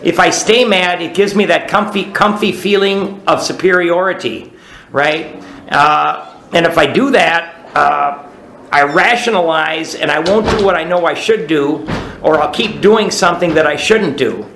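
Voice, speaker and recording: A man's voice: fairly high pitch, measured pace, a bit bright, reverberant, slight background noise, poor audio. A man talking casually about his recovery, rambling with many restarts and asking "right?" to check in with his listeners. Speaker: recovery speaker. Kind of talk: recovery talk.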